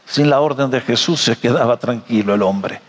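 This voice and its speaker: A man preaching a sermon, animated and joking, often asking his audience questions. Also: mid-range voice, moderate pace, big-room sound. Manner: animated, jokey storyteller, asks the audience questions.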